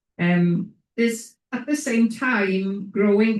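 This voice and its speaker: With a Welsh accent, the speaker sounds somewhat breathy and talks at a very slow pace with ordinary pitch variation. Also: woman. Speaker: academic. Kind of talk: academic talk.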